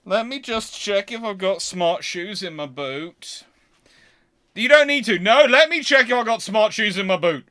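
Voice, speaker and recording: A British man hosting a casual question-and-answer chat, talking in a rambling, halting way and often interrupting himself. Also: high voice. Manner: rambling, halting, animated anecdotes with self-interruptions. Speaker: host answering viewer questions.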